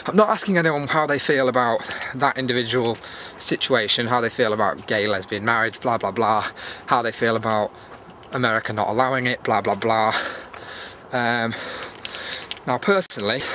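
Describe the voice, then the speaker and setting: Bright-voiced British man rambling outdoors. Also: medium pitch, fairly even intonation, a little fast. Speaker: YouTube vlogger and host. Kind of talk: rambling casual walk-and-talk vlog. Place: outdoors on a cold evening walk. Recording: clear outdoor background noise.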